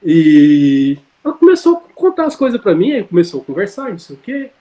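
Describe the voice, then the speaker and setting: A high-voiced man tells his story in a loose, conversational way. He circles back, restarts sentences and leans on fillers. The sound comes through a video call. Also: wildly swooping pitch, a little fast, dark tone. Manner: rambling, many fillers and self-corrections. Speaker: interview guest.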